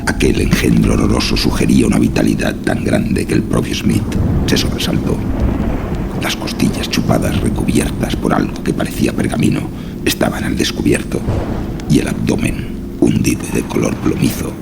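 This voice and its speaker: A man narrating a horror story in a dramatic audiobook style, with a very deep, gravelly voice. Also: flat delivery, normal speed, very noisy.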